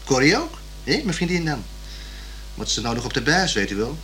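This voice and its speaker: Young man, lively intonation, halting, colloquial, plain-spoken, stubborn, good-natured, radio play, slightly noisy recording. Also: mid-range voice. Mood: sceptical. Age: young adult. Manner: halting, colloquial, repeating himself.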